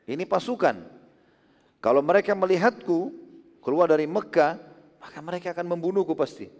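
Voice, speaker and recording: A man's voice: high-pitched, a little fast. A man voicing a wary, doubtful male tribal chief in a retold story, speaking in a scoffing, questioning way. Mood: anxious. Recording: long hall reverb.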